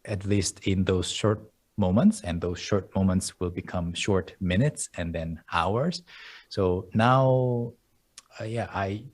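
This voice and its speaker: A man with a fairly low voice, speaking English as an in a relaxed interview. He explains things patiently and often chuckles as he makes a point. His tone is conversational and friendly rather than formal. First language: Korean. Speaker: guest, language educator.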